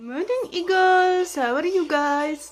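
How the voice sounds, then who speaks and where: Noticeable background noise surrounds a woman speaking with lively intonation. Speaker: fan sending a video message. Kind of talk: casual video message to fans. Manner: animated.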